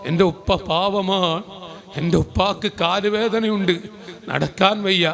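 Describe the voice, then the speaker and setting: A young man of about twenty, weeping as he prays for his ailing father, as a preacher puts him on. The voice sits slightly high and is hushed and pleading, a quiet prayer told inside a sermon. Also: fairly even intonation, unhurried, creaky, full character voice. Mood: tearful pleading.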